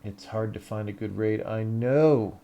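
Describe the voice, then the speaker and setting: Gravelly-voiced man chatting casually on stream. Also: on the low side, unhurried, dark tone, highs cut off, slight background noise. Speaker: game developer and livestream host. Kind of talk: casual livestream chat.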